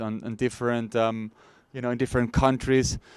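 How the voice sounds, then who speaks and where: Here a man with a German accent speaks at a medium pitch and a very fast pace. The recording is very clean, with a silent background. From Switzerland. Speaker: actor. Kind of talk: interview. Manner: hesitant, many fillers.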